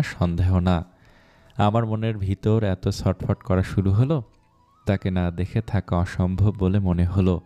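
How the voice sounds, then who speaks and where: Deep-voiced man narrating a love story. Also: warm tone. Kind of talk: scripted first-person story narration.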